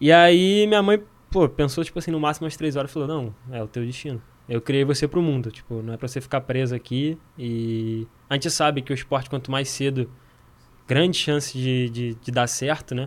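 Here a man speaks at a medium pitch with ordinary pitch variation. His pace is fairly quick. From Maricá, Rio de Janeiro state, Brazil. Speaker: archery athlete. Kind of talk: casual interview chat. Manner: relaxed, easygoing.

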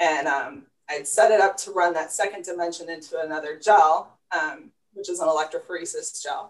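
Here a woman has an unremarkable speaking voice, fairly low in pitch. She keeps a moderate pace with ordinary pitch variation. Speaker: lab technician and small farmer. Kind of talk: casual interview chat.

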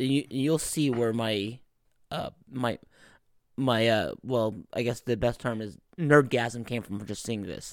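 In a very clean recording with a silent background, a man speaks very slowly with long, frequent pauses. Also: medium pitch for a man, ordinary pitch variation. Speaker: co-host. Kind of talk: casual chat. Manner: rambling, talks at length.

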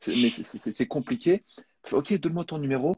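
This man's pitch swings very widely as he talks. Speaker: language coach. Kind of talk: live-stream interview. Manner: halting.

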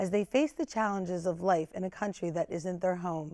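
A woman's dark, mellow voice with an American accent, a medium pitch, ordinary pitch variation and a moderate pace. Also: very clean recording, silent background. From United States. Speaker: university talk show host. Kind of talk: interview; scripted narration.

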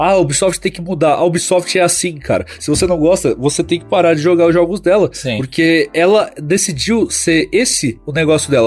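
With a Brazilian accent, a man speaks at a moderate pace in a high voice with lively intonation. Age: 20s. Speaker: podcast host. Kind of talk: casual chat.

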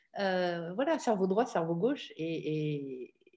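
A woman's medium-pitched, somewhat breathy voice with a dark, mellow tone, lively intonation and a fairly slow pace. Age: 50s. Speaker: intuitive card reader and wellness practitioner. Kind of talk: casual interview chat.

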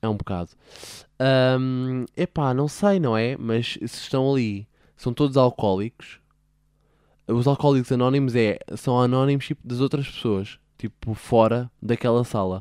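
Recorded very cleanly with a silent background and a dry, close sound with no echo, a man in an ordinary speaking voice talks at a fairly slow pace with medium pitch and ordinary pitch variation. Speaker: podcast host. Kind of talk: casual solo monologue.

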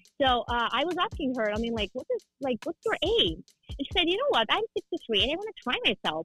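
A woman talks at a high pitch and a fairly quick pace. Her tone is energetic, with very wide pitch swings. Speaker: fashion photographer and model coach. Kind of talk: interview.

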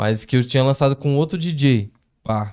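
A man speaks at medium pitch in a dark, mellow tone. The recording is very clean with a silent background and a dry, close sound with no echo. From São Paulo, Brazil. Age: 20s. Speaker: rapper. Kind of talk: casual chat.

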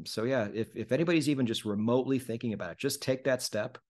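Speaking at a fairly quick pace with a Midwestern American accent, a man uses a medium pitch and ordinary pitch variation. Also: quiet background. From US Midwest. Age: 40s. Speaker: investing YouTuber. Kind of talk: interview.

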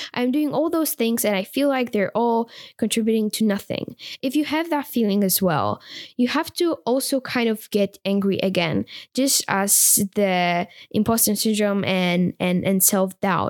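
At a fairly slow pace, a woman speaks with lively intonation and a fairly high pitch at very even loudness, in a very clean recording with a silent background and a dry, close sound with no echo. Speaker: podcast host. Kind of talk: casual chat. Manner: talkative.

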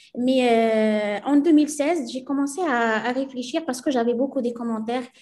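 The speaker has a Moroccan accent and a dark, mellow tone. The intonation stays fairly even. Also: woman. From Morocco, Safi region. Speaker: caterer. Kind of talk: interview. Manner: halting.

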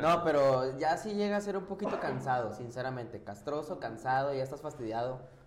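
In a room with audible echo, a man of medium pitch talks at a fairly quick pace with lively intonation and hardly any pauses. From Mexico, Gómez Palacio, Durango. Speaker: podcast host. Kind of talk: casual chat.

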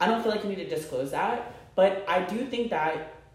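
A man talks at a moderate pace with ordinary pitch variation. Audible room echo and noticeable background noise fill the recording. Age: 20s. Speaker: podcast co-host. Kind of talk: casual chat.

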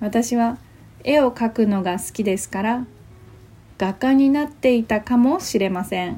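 A woman's fairly high voice with a dark, mellow tone, a fairly slow pace and ordinary pitch variation. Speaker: Japanese teacher podcaster. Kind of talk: language lesson podcast. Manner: slow, clear for learners.

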